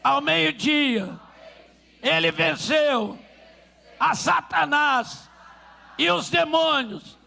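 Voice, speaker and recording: Fervent Rio pastor: very high, gravelly voice, sharp and forceful delivery. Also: male voice, animated, extremely slow, long pauses. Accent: Rio de Janeiro Portuguese. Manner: fervent preaching, storytelling. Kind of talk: sermon.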